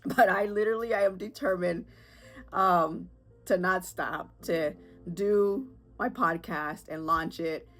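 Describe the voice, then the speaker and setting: A woman's voice: fairly low pitch, fairly even intonation, slow, fairly bright tone, soft background music. A sick, stuffed-up woman hosting her own podcast, talking candidly and rambling with fillers. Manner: candid, chatty, rambling with fillers and nervous laughs. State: congested, sick with a sore throat. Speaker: podcast host. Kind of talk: casual solo podcast talk.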